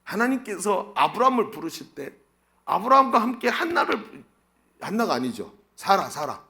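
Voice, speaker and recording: A male pastor delivers a sermon with a bright, gravelly voice that swings widely in pitch. He keeps turning to the congregation with questions, then answers them himself in an animated way. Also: normal speed.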